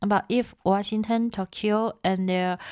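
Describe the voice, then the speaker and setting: The speaker has a Chinese accent, recorded very cleanly against a silent background with a dry, close sound and no echo. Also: woman. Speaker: channel host reading news article. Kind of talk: reading aloud. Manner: halting, with self-corrections and fillers.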